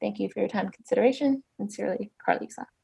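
A woman talks very fast at a medium pitch, sounding somewhat breathy. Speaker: aspiring novelist. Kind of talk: reading aloud. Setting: video call.

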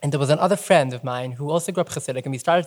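A woman talks at a very fast pace with a non-native accent and lively intonation. Her pitch is very deep and low, and the recording is very clean with a silent background. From New York. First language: not English. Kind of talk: public talk with interviewer. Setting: live event with audience.

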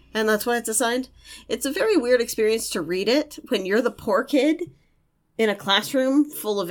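A woman with an American accent talks at a fairly quick pace in a fairly high pitch, with lively intonation. It is an unremarkable speaking voice. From Maryland. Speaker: podcast co-host. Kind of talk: casual chat.

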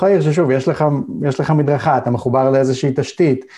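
This man's dark, mellow tone carries his fairly quick delivery. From Israel. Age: 40s. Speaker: real estate researcher and author. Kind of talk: interview conversation.

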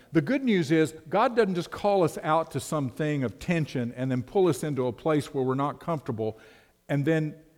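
The speaker has a plain, everyday voice with lively intonation. The recording is very clean, the background silent. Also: man. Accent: American. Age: 60s. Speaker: interim pastor. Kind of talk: sermon. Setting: church.

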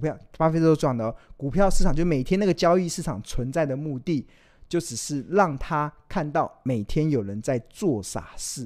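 Here is a plain, everyday voice with lively intonation at a moderate pace. The recording is very clean, with a silent background. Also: man, fairly high pitch for a man. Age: 40s. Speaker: investment educator. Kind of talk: livestream lecture. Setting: livestream.

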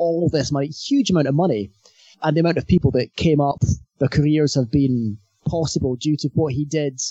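In a Scottish accent, the somewhat breathy voice moves at a fairly quick pace with ordinary pitch variation. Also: man. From Scotland. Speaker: podcast co-host. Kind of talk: casual chat.

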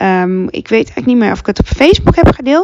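A woman is speaking. Her pitch swings very widely. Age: 30s. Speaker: podcast host and yoga teacher. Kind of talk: personal monologue. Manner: halting.

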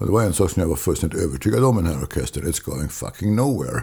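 A man talks at a very fast pace with lively intonation and vocal fry. The recording is very clean, the background silent. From Stockholm, Sweden. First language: English (speaking Swedish). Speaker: retired musician. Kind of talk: casual chat.

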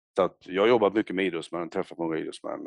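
The sound is close and dry, without any echo. A man delivers his words fairly quickly. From Sweden, Västergötland (Kinnekulle). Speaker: company CEO, former badminton champion. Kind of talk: interview. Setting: sofa interview before a live morning audience.

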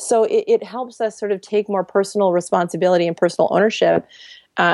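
A plain, everyday voice moves at a fairly quick pace with ordinary pitch variation in a dry, close sound with no echo. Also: woman. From Vancouver, Canada. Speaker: empowerment coach and speaker. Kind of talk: casual interview chat.

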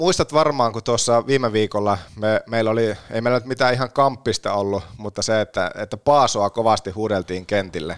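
Recorded very cleanly against a silent background, with a dry, close sound and no echo, a man with a normal speaking voice talks at a moderate pace and a fairly low pitch, using ordinary pitch variation. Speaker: podcast co-host. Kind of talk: casual chat. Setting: studio.

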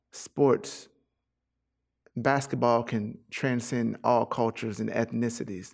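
A man with an American accent speaks at a fairly slow pace with ordinary pitch variation. The recording is very clean, with a silent background. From Fort Myers, Florida. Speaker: nonprofit founder and basketball trainer. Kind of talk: interview.

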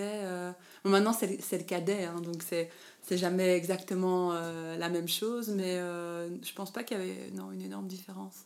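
Medium pitch and a fairly slow pace in a woman's voice. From Belgium. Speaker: fashion blogger and business lawyer. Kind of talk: interview conversation. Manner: halting, many fillers and repetitions.

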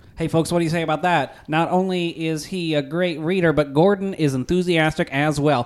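A man with a normal speaking voice talks fairly quickly, fairly high in pitch and with fairly even intonation. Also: hardly any pauses. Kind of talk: mock infomercial pitchman patter. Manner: fast, hype-y, hard-sell salesman.

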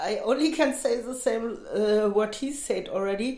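A woman with a German accent speaks in a dark, mellow tone. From Germany. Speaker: psychotherapist. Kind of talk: casual interview. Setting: in a home in Berlin.

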